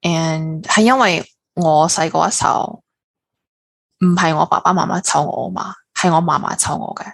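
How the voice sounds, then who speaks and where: A woman with a notably low voice, recorded close and dry. She answers in a measured way, moving between English and Cantonese mid-sentence. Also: vocal fry, no echo. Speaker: podcast guest. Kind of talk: casual podcast chat.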